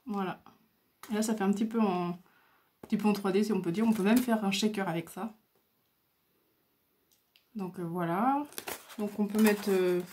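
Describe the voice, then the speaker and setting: A woman's voice: medium pitch, darkish tone, a little hiss or hum. A woman chatting casually as she shows off her craft supplies, hesitant and full of fillers, recorded at home on a camera mic. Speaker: crafting video host. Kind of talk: casual show-and-tell.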